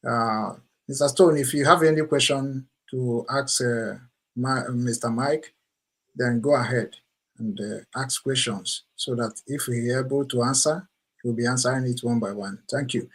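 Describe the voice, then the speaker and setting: A man hosting an online interview, speaking in a formal, measured, halting manner. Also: medium pitch, breathy edge. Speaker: host and moderator.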